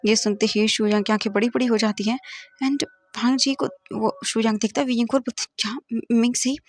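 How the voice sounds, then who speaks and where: A woman's voice: fairly high pitch, fairly even intonation, fast, darkish tone, soft background music. A woman narrating a romance story she wrote, retelling it plainly and mixing in English words.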